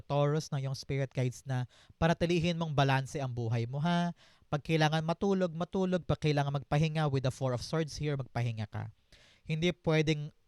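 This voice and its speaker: Smooth-voiced Filipino man giving a tarot reading. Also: a little high, a little mellow, no echo, studio quality. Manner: encouraging, mixes Tagalog and English, repeats phrases. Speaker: tarot reader.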